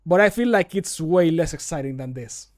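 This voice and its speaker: A man's voice: a little high, lively intonation, moderate pace. A man in his thirties chatting casually and playfully on a livestream, rambling as he works, close to the microphone. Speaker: streamer recording mod voice lines. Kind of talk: casual livestream commentary while working. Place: small home room with computer. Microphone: close desk microphone.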